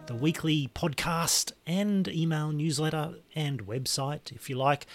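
Hoarse, raspy-voiced male podcast host. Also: mid-range voice. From Australia. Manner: wry, conversational, with throat clearing. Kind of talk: scripted solo podcast talk.

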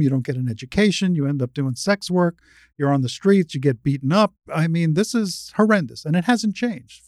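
A woman's voice: low-pitched, darkish tone, no room sound, studio quality. An American trans woman in her sixties speaking conversationally as an interview guest, telling anecdotes and giving opinions, often acting out quoted dialogue. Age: 60s.

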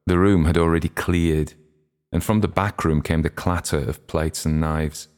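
A man reading a literary short story aloud in a measured, steady way. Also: a bass voice. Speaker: audiobook narrator. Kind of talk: literary narration.

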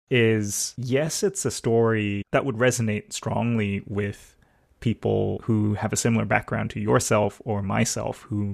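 Man, gravelly low voice, dry close sound, podcast host, appreciative, long questions. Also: no echo. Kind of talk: podcast interview.

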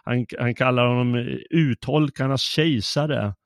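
A man's voice: mid-range voice, no room sound, clean studio sound. A man co-hosting a literature podcast, retelling a play in amused, casual talk with many fillers. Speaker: podcast co-host. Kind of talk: casual chat about literature.

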